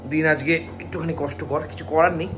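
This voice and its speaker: A man's voice: fairly high pitch, steady tone, quick pace, background noise. A young man, talking through a casual home food vlog and teasing his family. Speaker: food vlogger.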